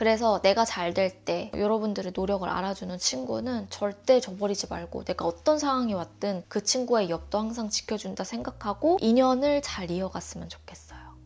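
A woman speaks at a moderate pace and medium pitch with hardly any pauses. Her intonation is lively and her loudness swings widely. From South Korea. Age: 30s. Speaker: beauty YouTuber. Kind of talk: casual vlog chat. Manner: animated. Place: home room. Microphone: lapel.

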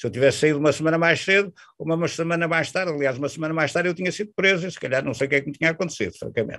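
A man with a European Portuguese accent and a bright, sharp tone talks at a very fast pace and fairly high pitch with ordinary pitch variation, the sound dry with no echo over a quiet background. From Portugal. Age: 80s+. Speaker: author; interviewee. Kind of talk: interview. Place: home room. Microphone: video call.

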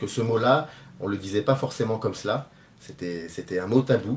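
A somewhat breathy man talks at a moderate pace with ordinary pitch variation, over light background noise. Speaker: channel host. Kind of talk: interview commentary. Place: home room.

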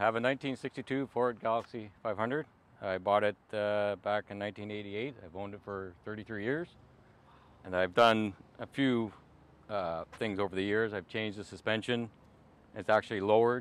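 A man with a normal speaking voice talks at a fairly low pitch and a moderate pace, his intonation fairly even. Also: dry sound with no echo. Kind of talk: interview answer. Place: street. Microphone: lapel.

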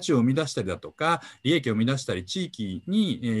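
With the background quiet, a man keeps up a fairly quick pace. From moved around Japan, born in Osaka. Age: 40s. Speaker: panel moderator, tourism company executive; panel moderator. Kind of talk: online panel discussion. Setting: online event, screen sharing. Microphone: video call.

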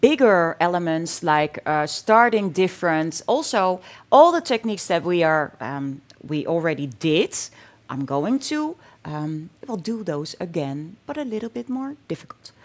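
A woman in a Dutch accent, fairly slow pace, very wide pitch swings. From Netherlands. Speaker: nail artist and instructor; instructor. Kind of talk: live demonstration tutorial. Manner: hesitant, many fillers. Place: studio. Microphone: headset.

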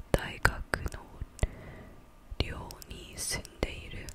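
A soft-spoken woman is heard over loud background noise, the sound dry with no echo. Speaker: ASMR-style reader. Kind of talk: soft reading of Japanese text. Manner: soft close-mic ASMR reading voice. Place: home room. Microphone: studio mic.

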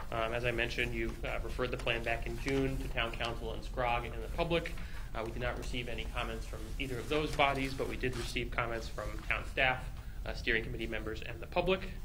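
A man talks at a very fast pace. Noticeable background noise is heard behind him. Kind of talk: formal presentation. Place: hall. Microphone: podium.

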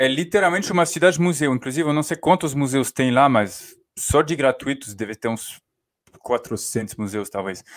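With a French accent, a man speaks at a moderate pace in a fairly high pitch, his intonation lively, on a very clean recording with a silent background. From France, Paris. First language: French (speaking Portuguese). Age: 30s. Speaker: French teacher. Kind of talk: casual chat. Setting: livestream.

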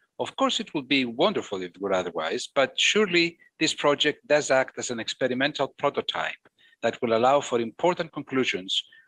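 Against a quiet background, a man with a Greek accent speaks at a very fast pace with lively intonation, his tone bright and sharp and the sound dry with no echo. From Greece. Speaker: government minister. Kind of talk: keynote speech. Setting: video call. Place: office. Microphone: headset.

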